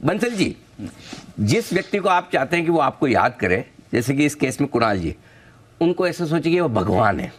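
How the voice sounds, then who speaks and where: A man's voice: a little high, very animated, moderate pace, husky. A man hosting a live business TV show, joking with guests and laughing often. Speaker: host.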